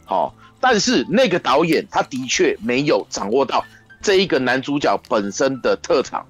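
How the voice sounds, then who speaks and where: A man's voice: medium pitch, big pitch swings, normal speed, slightly rough, faint music behind. A man co-hosting a podcast in casual chat, laying out his argument step by step with many "uh" and "okay" fillers. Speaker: podcast co-host.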